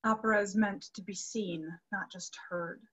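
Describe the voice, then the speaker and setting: A young woman playing a defiant, sorrowful captive singer in a staged reading, formal and deliberate. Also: mid-range voice, fairly even intonation, fairly bright tone, slightly rough. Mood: cold, resistant. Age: young adult. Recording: muffled video call audio.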